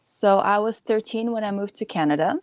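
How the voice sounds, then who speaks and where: A woman's voice: medium pitch, brisk, dry recording. A woman from Ukraine talks easily as a podcast guest, with a wry, offhand tone. Her voice sits in a middle range. It is recorded dry and close, with no room sound. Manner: relaxed, chatty and wry. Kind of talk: casual interview chat.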